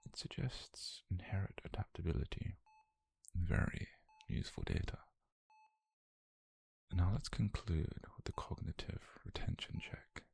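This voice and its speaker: A British man playing a detached, clinical scientist in a whispered ASMR roleplay, measured and softly controlling, murmuring notes on a captive subject. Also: full character voice. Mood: coolly approving. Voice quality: breathy, gravelly low murmur.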